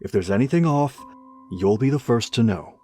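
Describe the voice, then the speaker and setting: A man playing a steady, protective character in a horror game. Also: mid-range voice, normal speed, faint music behind, lightly acted. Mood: reassuring.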